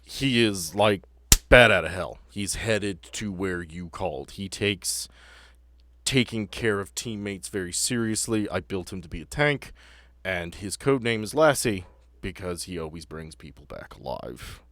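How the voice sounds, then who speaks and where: Low voiced guy game mastering, sweary, wanders off into nerdy tangents. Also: expressive, a little slow, a bit bright, no room sound. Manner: profane, digressive, nerdy asides. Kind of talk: narrating a tabletop game, casual banter.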